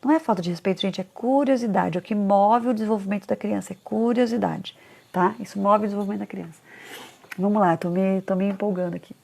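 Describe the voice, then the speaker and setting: A woman talking casually to parents about children, animated, often acting out parents' complaints in a higher voice. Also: fast, vocal fry. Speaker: parenting educator.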